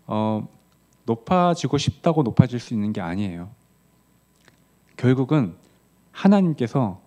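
Male pastor, early-morning sermon; conversational delivery with lively swings between raised quotes and hushed emphasis. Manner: conversational preaching, voicing quoted lines with rising pitch; drops to soft low tones on key words.

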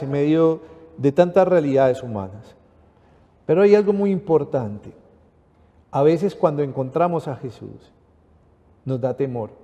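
Panamanian preacher with a dark, echoing voice. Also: male voice, on the high side. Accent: Panamanian Spanish. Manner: earnest, with repeated emphatic appeals. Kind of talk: Gospel reading and homily. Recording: long hall reverb.

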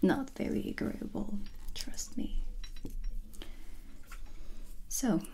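A woman playing a dry, cautioning witch who teaches potions, in a hushed ASMR roleplay. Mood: dry warning. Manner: measured, hushed, instructing. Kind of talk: whispered cinematic ASMR roleplay. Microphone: close ASMR microphone.

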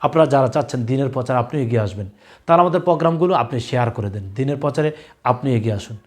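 A male religious teacher giving a recorded lesson to young pupils, spelling out letters loudly and slowly and repeating each drill several times. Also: medium pitch, expressive. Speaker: Quran and tajweed teacher.

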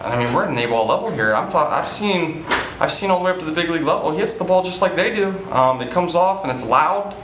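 A baseball manager in his thirties talks fast and expressively, barely pausing, in a fairly bright voice on the high side. Facing reporters after the game, he earnestly answers with lots of fillers, restarts, and repetition. The low-quality recording is reverberant with a little hiss or hum, captured in an indoor press room in front of a sponsor backdrop.

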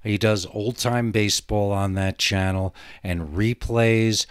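A man's voice: fairly low pitch, steady tone, slow pace, smooth, no echo, studio quality. A man hosting a solo podcast in a casual, rambling monologue, hesitant and full of digressions. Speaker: podcast host.

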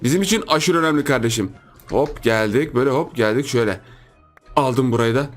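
A man's voice: medium pitch, a little fast, faint music behind. A man giving casual, playful commentary as he plays a video game, teasing the other players and chatting with his viewers. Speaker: gaming YouTuber. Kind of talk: casual let's-play commentary.

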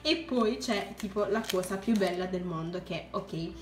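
A young woman who runs a crafts channel, gushing with excitement as she unboxes supplies for viewers. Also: mid-range voice, unhurried, echoey room. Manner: gushing, keeps exclaiming in delight.

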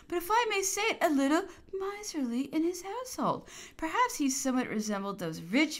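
A woman reading a memoir aloud in a measured narration, sometimes laughing with amusement. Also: sits high, fairly bright tone. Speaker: audiobook reader.

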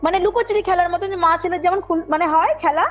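Over muffled phone audio swamped by loud background music, a woman speaks fast in a very high voice. She's telling her own story as a caller, emphatic and informal, frequently confirming that she's being followed.

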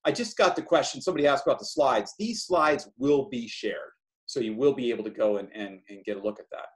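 A man's voice: medium pitch, a little fast. A man giving an informal, explanatory webinar presentation as a project lead on a video call. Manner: conversational, explanatory.

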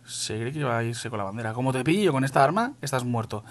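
Excitable young Spaniard narrating gameplay. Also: male voice, mid-range voice, quick pace. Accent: Spain Spanish. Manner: excitable, swears, addresses viewers as "tío". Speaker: gaming youtuber. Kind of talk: casual gameplay commentary.

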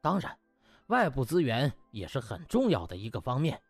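A self-important male hospital vice director, acted by a male narrator in a comic audiobook. He lectures pompously and officiously, with expressive pitch, over faint music. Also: normal speed, breathy edge, no echo. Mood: pompous, rallying. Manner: officious speechmaking.

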